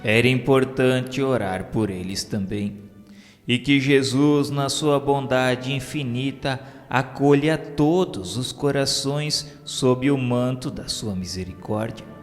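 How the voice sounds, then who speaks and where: Slow, solemn Brazilian man narrating in reverb. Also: medium pitch. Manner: solemn, formal delivery. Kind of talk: scripted narration of a religious radio novela. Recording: long hall reverb under music. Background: music.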